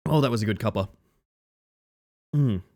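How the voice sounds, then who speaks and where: A man's voice: fairly low pitch, moderate pace, a little mellow. A man with an Australian accent, chatting casually with his live-stream audience while gaming, reading chat aloud and swearing now and then.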